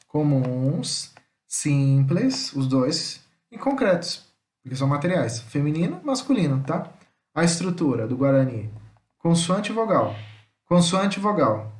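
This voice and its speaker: A male teacher giving an online language lesson, explaining patiently and checking in after each point, sometimes sounding out words slowly. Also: on the high side, darkish tone, reverberant.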